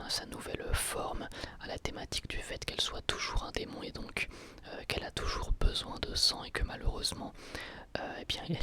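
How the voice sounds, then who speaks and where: A person giving a casual ASMR review in a soft, breathy, unvoiced whisper, hesitating and repeating words.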